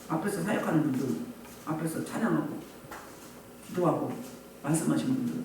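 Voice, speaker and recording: A woman pastor preaching a sermon, animated and asking the congregation rhetorical questions. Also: medium pitch, a little hiss or hum. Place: church hall. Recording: echoey church hall, voice from a distance.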